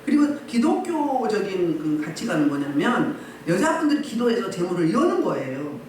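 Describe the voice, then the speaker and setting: A woman's voice: medium pitch, big pitch swings, moderate pace, darkish tone, a little hiss or hum. A woman pastor preaching a sermon, firing emphatic rhetorical questions at her congregation. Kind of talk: sermon at a healing service. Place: church hall. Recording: very echoey hall, mic at a distance.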